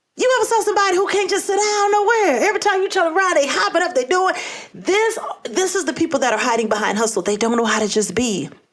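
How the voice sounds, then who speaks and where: A woman's extremely high, animated voice with a Louisiana accent, very wide pitch swings, very even loudness and a very fast pace. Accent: Southern US (Louisiana). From Louisiana, US South. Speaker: life coach and podcast host. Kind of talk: motivational podcast monologue. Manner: animated, conversational.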